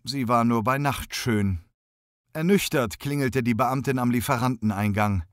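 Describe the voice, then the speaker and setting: A male audiobook narrator at a middle pitch, reading in a steady, even voice. The close studio mic gives a dry sound with no room in it. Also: normal speed, no room sound. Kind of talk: scripted narration.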